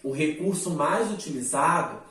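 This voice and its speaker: A man with a Brazilian Portuguese accent, teaching a literature lesson in a slow, explanatory way and often checking in with "né" and "tá". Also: on the high side, animated, a bit bright, recorded from a distance. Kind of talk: recorded online class lecture. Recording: roomy echo, voice set back from the mic.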